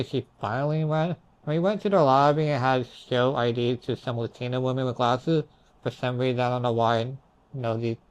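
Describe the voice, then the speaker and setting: A man's voice: mid-range voice, poor audio. Puzzled young man hazily recounting dreams. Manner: hazy, puzzled recounting, trailing into asides. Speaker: storyteller recounting own dreams. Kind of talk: casual rambling storytelling.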